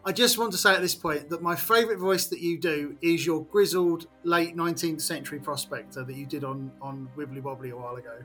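A man's voice: fairly high pitch, steady tone, brisk, few pauses, a bit bright, faint music behind. A man from England with an English accent, chatting casually as a podcast co-host and game master. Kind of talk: casual chat.

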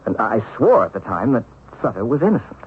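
An earnest, hesitant schoolteacher husband in a seventies radio play. His voice sits low and halts as he searches for words. The broadcast recording is dull, with faint hiss. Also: sing-song. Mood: hesitant, recounting. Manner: hesitant, halting. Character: earnest ex-bank teller turned schoolteacher husband, hesitant, puzzled. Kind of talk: 1970s radio drama acting.

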